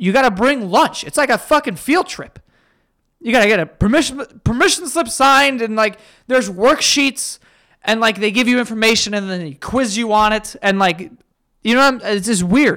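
A man speaks in a raised, projected voice at an extremely high pitch, bright and sharp in tone. His intonation is lively and his pace moderate. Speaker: podcast host. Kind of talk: solo monologue. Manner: rambling.

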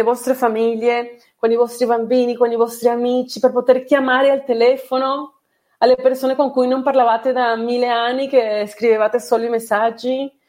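Her voice is high in pitch. The woman keeps a moderate pace. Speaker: wedding and portrait photographer. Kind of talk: interview. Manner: animated.

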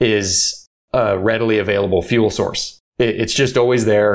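At a fairly low pitch, a man speaks in a plain, everyday voice with fairly even intonation and a moderate pace. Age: 30s. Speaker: creative video maker. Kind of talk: casual chat.

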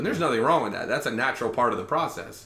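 There is noticeable background noise behind the speaker. He is a man with an American accent. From Ohio, US Midwest. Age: 30s. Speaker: rapper. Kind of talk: casual chat. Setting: studio.

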